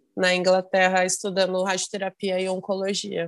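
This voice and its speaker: This woman talks at a moderate pace and medium pitch in a flat monotone. The recording is very clean, with a silent background. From Brazil. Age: 20s. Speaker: nurse. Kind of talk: casual interview.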